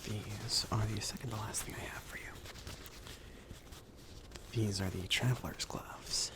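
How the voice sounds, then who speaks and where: A man playing a chill, considerate mage in an ASMR fantasy roleplay, speaking softly in a casual, hesitant, reassuring way. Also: on the low side, fairly even intonation, a little slow, lightly acted. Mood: calm, instructive. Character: chill, considerate mage sending an apprentice on errands.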